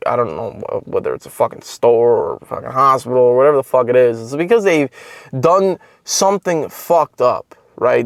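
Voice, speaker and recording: A young man tells a personal story straight to the camera in a loose, rambling way. He swears constantly and fills gaps with "like" and "bro". His voice sits in an ordinary middle pitch and sounds close and dry, with no room echo. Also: creaky. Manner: profane, rambling, heavy filler words. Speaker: content creator. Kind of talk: casual storytelling vlog.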